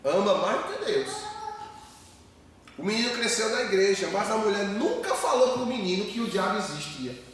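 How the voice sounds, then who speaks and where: A man's voice: high-pitched, animated, normal speed, fairly bright tone. A man pastor preaching a sermon with emphatic repetition, calling the congregation brothers. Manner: emphatic, repeats words, addresses congregation as brothers. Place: church. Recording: echoey hall, mic far off, faint noise.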